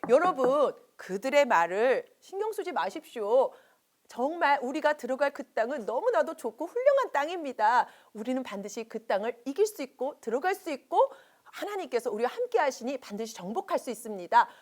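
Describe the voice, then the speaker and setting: A woman's voice: high-pitched, a little fast. A woman voicing a brave male scout who earnestly urges the people not to be afraid. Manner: earnest, steady exhortation. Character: bold, faithful male scout urging courage.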